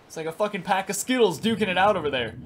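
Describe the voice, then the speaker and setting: A young man in his twenties doing energetic, crude gameplay commentary in a small room, his voice raspy because he just woke up. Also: sits high, rapid-fire. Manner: energetic, crude, rambling with lots of "like". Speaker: gaming YouTuber. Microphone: headset.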